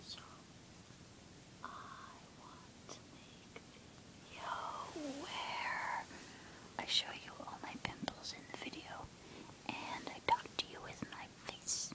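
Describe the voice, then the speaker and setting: Whispering at a very slow pace with long, frequent pauses, a woman swings widely in loudness against noticeable background noise. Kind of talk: ASMR talk to camera. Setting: close-up microphone. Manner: whispered, soft-spoken.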